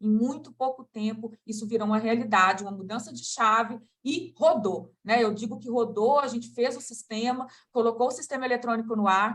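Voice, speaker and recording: A woman with a Minas Gerais accent, fairly high in pitch, at a moderate pace with fairly even intonation. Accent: Minas Gerais accent, noticeable. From Minas Gerais, Brazil. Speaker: federal attorney and law professor. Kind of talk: panel debate talk. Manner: hesitant, many fillers.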